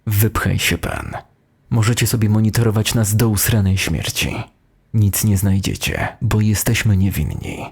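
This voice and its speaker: A man voicing a defiant, foul-mouthed schoolteacher under suspicion in an audio horror story, gruff and agitated. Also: fairly low pitch, measured pace, heavily acted. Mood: angry, defiant.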